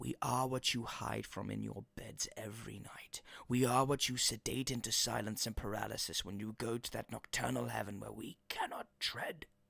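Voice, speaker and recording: A man's raspy, put-on character voice at medium pitch, moderate pace and hardly any pauses. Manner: calm, eerie, menacing.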